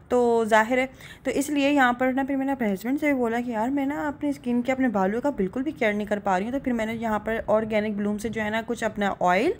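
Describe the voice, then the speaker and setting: A woman's voice: a little high, a little hiss or hum. A young woman, narrating a casual vlog voice-over in a chatty, rambling way and laughing often. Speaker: vlogger.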